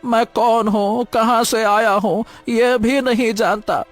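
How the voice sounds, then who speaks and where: An actor voicing a weary, troubled old beggar in a cartoon story, speaking in a hesitant, pleading way. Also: male voice, very high-pitched, steady tone, slow, faint music behind. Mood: anguished.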